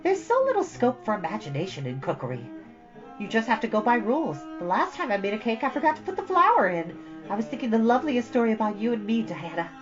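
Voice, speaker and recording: A woman's voice: a little high, big pitch swings, fast talker, lo-fi sound, over music, pitched above the performer's own voice. A woman playing a dramatic chatterbox girl. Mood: gushing. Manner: breathless, run-on storytelling, theatrical. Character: chatty imaginative young girl, dramatic and earnest.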